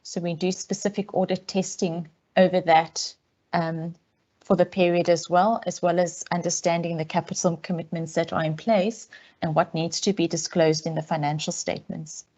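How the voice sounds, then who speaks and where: A woman auditor, heard over a video call line, gives a measured, businesslike briefing to a council committee, with frequent ums. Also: lowish voice, flat delivery, darkish tone. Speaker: external auditor presenting a report. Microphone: remote call audio. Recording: dull, lo-fi call audio.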